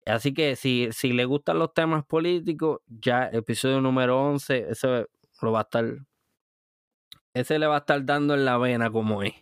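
A male podcast host with a Puerto Rican Caribbean Spanish accent speaks in a smooth, clear voice. His delivery is casual but emphatic, addressed straight to the listener. The sound is dry and close, with very little room. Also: mid-range voice, moderate pace, no echo. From Puerto Rico. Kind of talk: casual podcast monologue recapping episodes.

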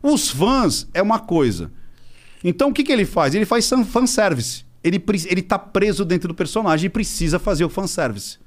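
A man's voice: sits high, brisk. A man telling a story in casual chat as an interview guest, acting out other people's voices and swearing freely. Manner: animated, acts out quoted voices.

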